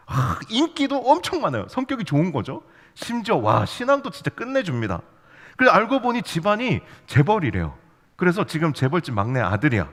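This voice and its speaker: Pitch swooping wildly, a youth pastor with a high-leaning, fairly bright voice delivers a slightly fast sermon. It's playful and full of stories and rhetorical questions aimed at the congregation, recorded in a church sanctuary with long hall reverb.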